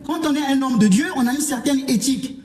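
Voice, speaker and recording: A man's voice: very high voice, quick pace, darkish tone. A man from Africa speaking as a clergyman in a televised religious debate, lecturing his opponent in an argumentative, reproachful manner. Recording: roomy, echoing sound.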